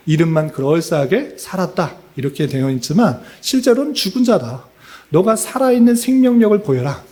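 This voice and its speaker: A male pastor gives a Bible exposition at a church prayer meeting, his voice somewhat high but dark and mellow in tone. He asks the congregation questions and then answers them himself, dropping short filler sounds between his phrases. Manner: often fills pauses with "예" and "에".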